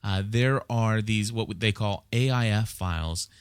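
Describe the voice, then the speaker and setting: A man's voice: lowish voice, measured pace, clear, resonant tone, dry recording. A man hosting a podcast, explaining things in a casual, conversational way with frequent asides. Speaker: podcast host.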